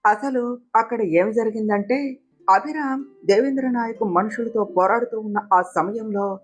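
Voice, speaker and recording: A woman's voice: a little high, a little slow. Woman telling a dramatic story. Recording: slightly dull recording, soft guitar music.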